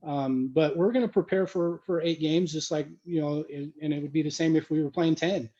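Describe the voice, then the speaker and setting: A man, a high school football coach, speaking over the phone in a casual interview, often pausing with filler words. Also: warm tone. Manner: halting, fills pauses with "you know". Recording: dull lo-fi phone audio.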